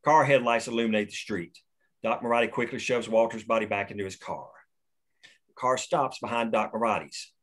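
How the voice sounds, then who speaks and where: A man reading the stage directions aloud at a script table read in a steady, plain way. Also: lowish voice, brisk.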